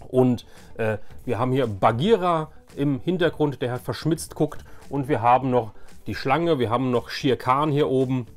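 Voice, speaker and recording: A man's voice: medium pitch, moderate pace, soft background music. A middle-aged man chats in a casual, rambling way, like showing off old keepsakes. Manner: rambling, conversational. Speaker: nostalgia video host. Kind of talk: casual nostalgic show-and-tell.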